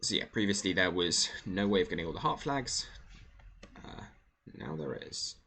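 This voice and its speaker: A man's voice: low voice, big pitch swings, moderate pace, vocal fry, sharp tone, slight background noise. A man streaming a video game, thinking aloud in a casual, rambling way with many fillers. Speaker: gaming streamer. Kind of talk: casual gameplay commentary.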